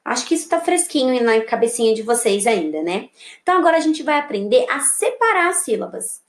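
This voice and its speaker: A woman with a Brazilian accent, a primary school teacher walking young pupils through a workbook in a slow, sing-song voice that keeps checking they follow. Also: fairly high pitch, very animated. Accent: Brazilian Portuguese. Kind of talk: recorded remote lesson walking through a workbook. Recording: echoey room.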